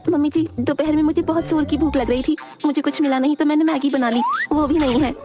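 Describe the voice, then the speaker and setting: A woman's voice: high-pitched, fairly even intonation, quick pace, natural voice. A woman voicing a plump, always-hungry young bride in a cartoon story, whiny and dramatic. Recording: loud background music.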